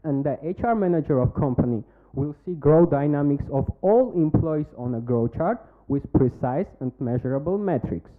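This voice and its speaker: A man with an Armenian accent pitching a startup, then answering questions in halting English while searching for words. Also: animated. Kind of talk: demo day pitch and Q&A. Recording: phone-like narrow band.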